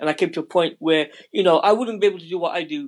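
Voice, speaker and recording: A man speaks with a south-east English accent and lively intonation. His pitch is high, and the background is quiet. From England, Luton in Bedfordshire. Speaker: LGBT activist and network coordinator. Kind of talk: interview. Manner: halting, many fillers.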